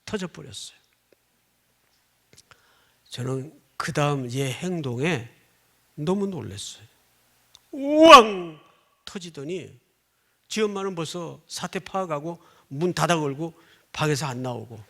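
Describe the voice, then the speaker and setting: A middle-aged man preaching a sermon, telling a story with dramatic swings, from loud outbursts to near-whispers, and prompting the congregation for responses. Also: fairly high pitch, animated, unhurried, creaky, pauses often. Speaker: pastor.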